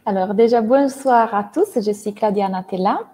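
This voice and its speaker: A woman's voice: medium pitch, moderate pace, slight background noise. Italian-accented woman coaching on a video call. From Italy. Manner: lively, gestures a lot with her hands while explaining. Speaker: mindset coach and hypnotherapist. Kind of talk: online talk, explaining to a live audience. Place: bright room at home, indoors. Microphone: earphone headset mic on a video call.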